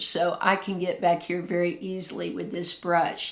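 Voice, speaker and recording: A woman speaks at a fairly slow pace with a medium pitch. The room echo is audible, and background noise is noticeable. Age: 50s. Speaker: beauty content creator. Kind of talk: makeup tutorial. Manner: warm, conversational.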